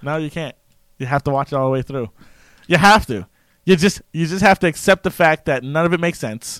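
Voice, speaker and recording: With an American accent, a man speaks at a fairly quick pace in an animated tone, his fairly high voice showing ordinary pitch variation, on a very clean recording with a silent background and a dry, close sound with no echo. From Massachusetts. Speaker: internet radio host. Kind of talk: casual chat. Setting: studio.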